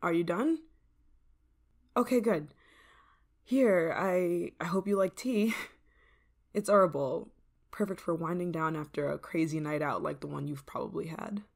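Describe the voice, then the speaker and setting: A woman's voice: on the low side, a little slow, vocal fry, pauses often. A woman playing a sweetly obsessive yandere neighbor. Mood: coaxing. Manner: soft-spoken, drops to whispers, sweet with creeping menace. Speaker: ASMR roleplay performer. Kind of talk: ASMR roleplay.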